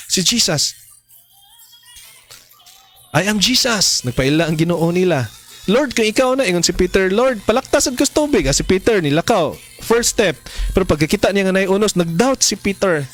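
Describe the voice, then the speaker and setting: Man, Cebuano accent, middle-aged, testimony sermon, emphatic, faint background music. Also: on the high side. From Philippines. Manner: mixes English phrases into his speech; emphatic, pleading. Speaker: preacher.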